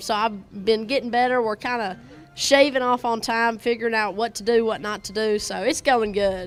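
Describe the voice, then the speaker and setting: A woman's fairly high voice in a Southern US accent, at a moderate pace. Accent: full Southern. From US South, Memphis, Tennessee. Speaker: rally navigator. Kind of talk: casual interview. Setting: outdoors at an event.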